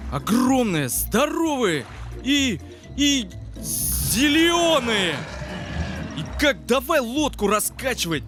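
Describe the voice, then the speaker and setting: A man voicing an adventurous, excitable and boastful young boy hero in a cartoon, with dramatic exclamatory delivery. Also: very high-pitched, slow, heavily acted. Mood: boastful, evasive. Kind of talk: animated fairy-tale adventure acting. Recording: music behind the voice.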